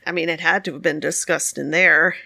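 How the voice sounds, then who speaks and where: A woman's voice: low-pitched, fairly even intonation, a little fast, gravelly, sharp tone, no room sound. A woman co-hosting a podcast, chatting casually and telling stories with frequent laughter. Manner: chatty, laughs often, storytelling. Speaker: podcast co-host. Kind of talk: casual conversation.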